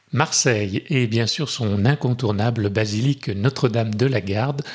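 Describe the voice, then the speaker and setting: A somewhat breathy man speaks at a fairly slow pace, his medium pitch varying in an ordinary way. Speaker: radio host. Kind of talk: interview.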